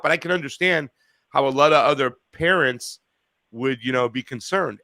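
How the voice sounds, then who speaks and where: A man hosting a call-in talk show, chatting casually, rambling and profane, getting loud and animated when he rants. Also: on the high side, no room sound. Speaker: radio show host.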